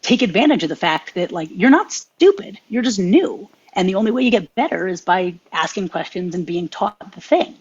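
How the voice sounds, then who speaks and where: Husky-voiced woman on a lo-fi line. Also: medium pitch, normal speed, hardly any pauses. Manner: earnest, animated advice-giving. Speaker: podcast co-host. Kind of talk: casual chat.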